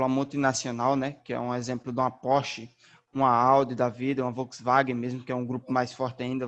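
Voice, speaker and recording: A young man from northeastern Brazil, a racing driver, answering interview questions in a relaxed, slangy way with many fillers. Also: mid-range voice, muffled recording. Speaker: race car driver, interview guest.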